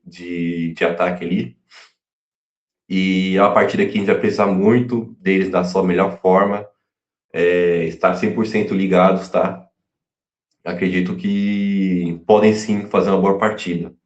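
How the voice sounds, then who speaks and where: Halting man in an echoey room. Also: low-pitched, fairly even intonation. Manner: halting, many fillers and restarts. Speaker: fan channel pundit. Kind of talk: casual pre-match talk. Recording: echoey room, dull lo-fi sound.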